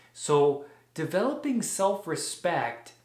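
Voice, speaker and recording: There is audible room echo around a man's voice. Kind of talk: talking-head advice monologue. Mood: earnest, concerned. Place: home room.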